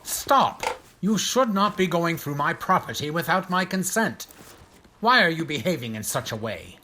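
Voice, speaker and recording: An actor playing a haughty, private, war-wounded gentleman in an audio drama, speaking in pompous, formal, precise phrases. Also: a little high, sing-song, normal speed, full character voice. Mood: affronted, scornful.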